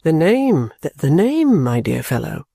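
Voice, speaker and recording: A man reading aloud, voicing an excitable older male clerk who stammers and talks in a breathless flutter. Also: on the high side, a little slow, gravelly, no echo, clean studio sound, full character voice. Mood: flustered exultant.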